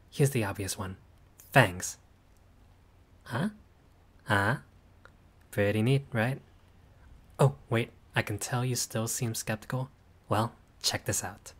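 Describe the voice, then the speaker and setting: A man's voice: mid-range voice, husky. A man voicing a friendly, showy young male vampire who chats playfully with a guest in a scripted audio roleplay. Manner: warm, chatty, playful.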